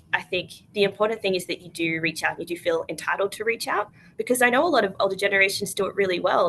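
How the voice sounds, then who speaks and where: Speaking at a very fast pace, a woman with an Australian accent has a bright, sharp tone, a medium pitch and ordinary pitch variation. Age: 20s. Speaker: politician. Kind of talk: interview.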